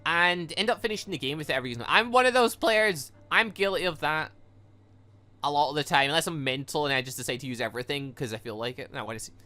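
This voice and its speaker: A man's voice: fairly high pitch, fast, sharp tone. A man doing casual let's-play commentary on a visual novel, rambling and correcting himself as he reads and reacts. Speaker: gaming video host playing a visual novel. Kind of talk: casual let's-play commentary, reading game dialogue aloud.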